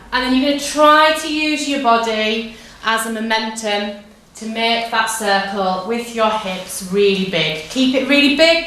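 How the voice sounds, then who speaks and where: A woman drama teacher guiding a physical warm-up step by step, with simple, repeated, encouraging instructions. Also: on the high side, a little hiss or hum. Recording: echoey room, distant microphone.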